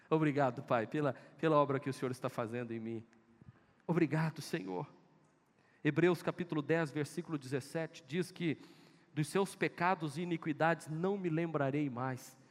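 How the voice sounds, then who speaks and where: A man's voice: fairly high pitch, moderate pace. A male pastor with a Northeastern Brazilian accent, preaching an emphatic sermon full of repeated exhortations in a church. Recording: echoey church hall.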